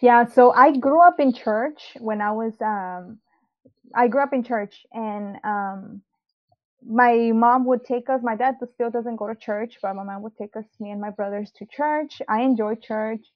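A young woman with a fairly high voice tells her story as a guest, hesitating often with ums and likes. She was born in Mexico and raised in South Texas. Her audio comes through dull and lo-fi. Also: measured pace. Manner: hesitant, many ums and likes, laughs easily. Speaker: interview guest, musician. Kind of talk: casual personal testimony. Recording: dull lo-fi sound.

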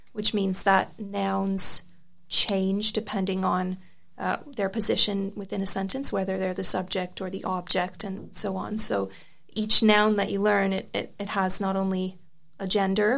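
A woman's voice: mid-range voice, vocal fry. A young woman whose first language is Serbian, explaining her views thoughtfully as an interview guest. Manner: thoughtful, frequent restarts and fillers. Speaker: interview guest, article author. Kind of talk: conversational interview.

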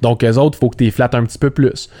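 A man's voice: medium pitch, steady tone, fast talker, warm tone. A man with a Quebec French accent, a basketball analyst talking casually in an interview, repeating words and slipping in English terms.

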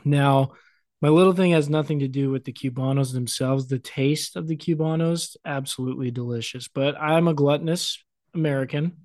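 A man's voice: medium pitch, steady tone, normal speed, a little mellow, no room sound, studio quality. A man co-hosting a podcast in casual chat, joking and laughing often. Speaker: podcast co-host.

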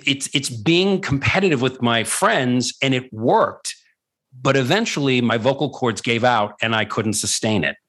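Middle aged guy, voice coach type, chatting in an interview, mid pitch, leans on phrases and repeats them. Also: lively intonation, measured pace, a bit bright. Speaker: guest, voice-over coach and former voice actor. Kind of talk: conversational personal storytelling in an interview.

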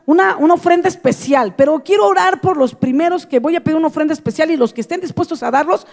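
A high-pitched woman with a Mexican accent delivers a sermon as a preacher. She tells her stories in an animated way and acts out her own reactions as she goes. Her voice rings with the long echo of a large hall. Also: fast. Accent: Mexican Spanish.

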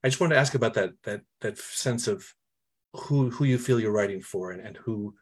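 Husky-voiced man, halting interviewer. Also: on the low side. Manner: halting, searching for words with many restarts. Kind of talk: conversational interview question.

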